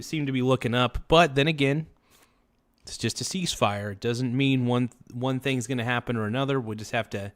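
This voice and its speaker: A man hosts his own livestream in a loose, rambling way. His voice sits at an ordinary middle pitch for a man. He talks casually and keeps thanking his viewers. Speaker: livestream host.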